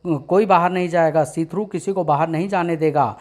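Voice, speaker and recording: A man's voice: on the high side, normal speed, a little mellow, close to an everyday voice. A man voicing an invisible, bodiless male supervillain from a comic story, boastful and menacing. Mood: gloating.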